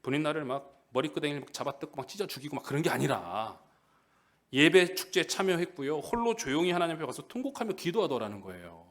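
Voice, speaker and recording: A middle-aged man preaching in a church, his voice sitting a bit high for a man and rising and falling widely. He keeps it animated and talks straight to the congregation, asking them questions and waiting for answers. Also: quick pace. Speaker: pastor. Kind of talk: sermon.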